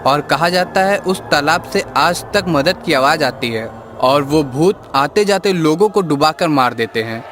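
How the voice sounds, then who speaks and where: Earnest, higher-pitched village boy, played by a man. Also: animated, a little slow, fairly bright tone. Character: earnest, determined village boy telling of ghosts. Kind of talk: cartoon story dialogue. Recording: music behind the voice.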